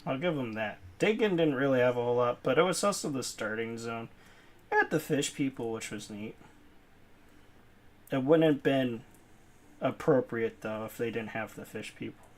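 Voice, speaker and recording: A young man from New England chats his way through a video game in a relaxed, rambling stream of commentary. His voice sits at an ordinary middle pitch, and he laughs easily between thoughts. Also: moderate pace. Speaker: gaming channel host. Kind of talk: casual let's-play commentary.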